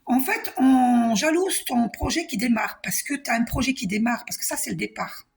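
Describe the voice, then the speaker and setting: A woman doing a calm, reassuring spiritual card reading. She talks to the viewer, repeats herself and uses many fillers. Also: on the high side, moderate pace, vocal fry. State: coughing a little. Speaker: card reader.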